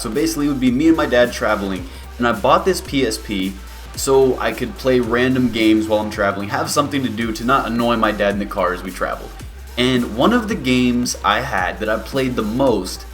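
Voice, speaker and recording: A man of about twenty, a YouTuber answering viewer questions in a relaxed, rambling way with many fillers. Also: mid-range voice. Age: 20s. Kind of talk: casual Q&A vlog.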